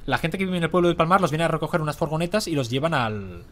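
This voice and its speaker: A man's voice: a little high, fast talker, fairly bright tone. A young man with a Catalan accent and a stuffy nasal cold, telling a story as a podcast guest, rambling with lots of fillers. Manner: rambling, many fillers like "en plan" and "¿sabes?". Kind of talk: casual storytelling in a podcast interview.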